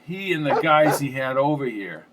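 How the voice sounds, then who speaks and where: A man's voice: mid-range voice, lively intonation, normal speed, distant mic, noisy background, natural voice. A man voicing a tough male private investigator who talks dry and clipped.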